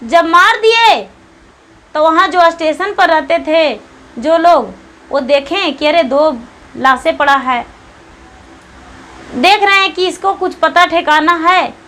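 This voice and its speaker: Slow, high-voiced woman telling a devotional story. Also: lively intonation, bright, forceful tone. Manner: repetitive, earnest retelling with repeated phrases. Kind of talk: Shiva devotional story narration.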